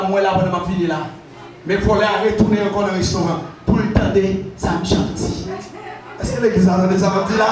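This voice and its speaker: Male preacher, very high-pitched, emphatic and repetitive, distant mic with a crowd in the hall. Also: fairly bright tone, a little hiss or hum. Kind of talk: shouted call-and-response sermon. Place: church hall. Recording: very echoey from far off, crowd behind.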